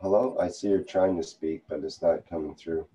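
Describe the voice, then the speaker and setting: Low-voiced man, very dark tone, polite moderator, video call. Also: fairly even intonation, normal speed, slightly rough. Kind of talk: online panel moderation.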